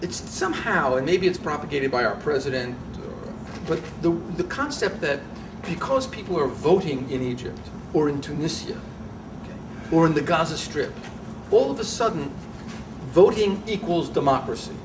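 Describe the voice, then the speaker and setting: Animated emphatic man, distant noisy mic. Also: fairly high pitch, normal speed. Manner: emphatic, restarts phrases, animated rising peaks. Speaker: guest rabbi. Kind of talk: casual interview talk. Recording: distant mic with background noise.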